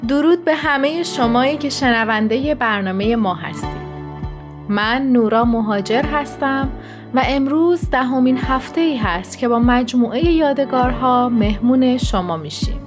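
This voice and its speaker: A woman hosting a story program, giving a scripted, welcoming introduction. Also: high voice. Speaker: program host. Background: background music.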